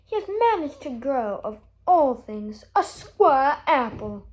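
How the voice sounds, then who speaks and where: A woman's voice: high-pitched, very animated, slow, full character voice, poor audio. A woman voicing a pompous king from a children's storybook, announcing in a grand, declamatory manner. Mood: ceremonious. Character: pompous, ceremonious male king of a nonsense land.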